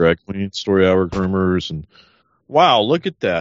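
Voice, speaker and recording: The man speaks with a very deep, low pitch. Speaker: podcast co-host. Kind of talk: casual banter.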